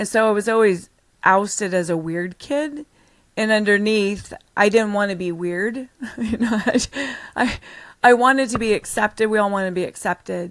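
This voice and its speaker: In a very clean recording with a silent background, a woman speaks at a moderate pace and medium pitch, with ordinary pitch variation and long, frequent pauses. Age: 60s. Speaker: leadership coach. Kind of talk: interview.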